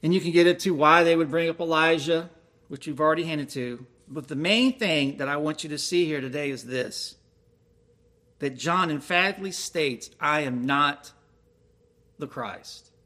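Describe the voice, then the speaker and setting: A man's voice: a little high, moderate pace, pushed and bright. A man preaching a sermon, reading scripture aloud and explaining it with questions to his listeners. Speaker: pastor.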